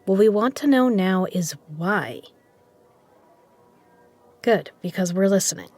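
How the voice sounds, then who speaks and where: A woman playing a shrewd poker legend who runs an underground casino, speaking in a measured, persuasive way in a scripted audio drama. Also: medium pitch, lively intonation, a little mellow, soft background music. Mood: probing, firm.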